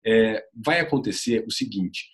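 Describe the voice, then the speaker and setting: A man's voice: fairly low pitch, lively intonation, unhurried. A sports reporter, a man with a Brazilian Portuguese accent, gives an earnest online lesson, explaining vocal technique through his own career anecdotes and speaking straight to the viewer. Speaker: sports reporter teaching journalism. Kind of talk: online video lesson, first-person anecdotes.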